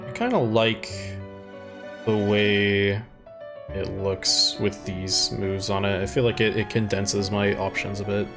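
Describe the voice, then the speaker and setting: A man's voice: fairly low pitch, flat delivery, slow pace. A man doing casual let's-play commentary, joking and thinking aloud in a rambling way. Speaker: gaming video host. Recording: game music behind the voice. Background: video game music.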